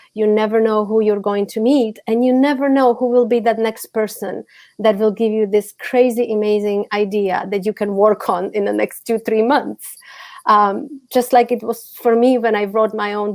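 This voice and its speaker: A woman with a non-native accent and a fairly high pitch speaks at a moderate pace with fairly even intonation. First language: not English. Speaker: entrepreneur and author. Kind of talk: panel discussion.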